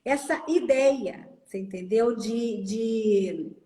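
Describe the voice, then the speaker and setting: A woman speaks with a high, bright voice, giving emphatic advice in a casual interview. The sound has a roomy echo around her. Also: takes it slowly. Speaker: host. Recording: echoey room.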